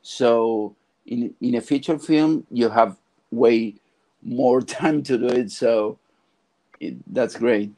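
Slow, mellow-voiced Argentine man. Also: mid-range voice, low-quality recording. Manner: halting, searching for words, frequent restarts. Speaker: film composer guest. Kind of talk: casual video call interview. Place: home music studio. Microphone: earphone mic on video call.

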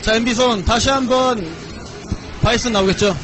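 A man giving excitable, exclamatory commentary on a fighting-game tournament, mixing announcer calls with casual chat. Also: extremely high pitch, moderate pace, over music, crowd noise. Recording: loud background noise.

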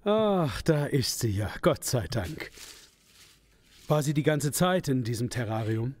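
An actor playing a polite, officious and easily cowed pet shop dealer in an audio drama. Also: male voice, medium pitch, sing-song, unhurried, darkish tone. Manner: formal, apologetic.

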